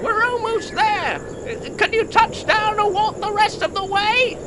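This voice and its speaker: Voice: very high-pitched, measured pace. An actor voicing a sassy female talking chicken in an audio drama, with a blunt, snippy manner. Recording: faint background noise.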